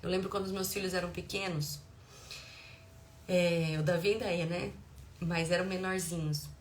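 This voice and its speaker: A woman's voice: on the low side, steady tone, moderate pace. Woman, middle-aged, Brazilian Portuguese accent, parenting educator, explanatory advice, echoey room, faint background noise. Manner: warm explanatory tone, acts out dialogue with her children.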